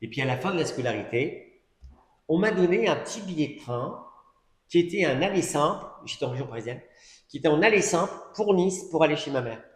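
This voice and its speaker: A man's voice: fairly high pitch, expressive, fairly quick. A middle-aged man giving a sermon as a personal testimony, telling his story conversationally with asides and fillers. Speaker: preacher. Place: church hall. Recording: echoey church hall recording.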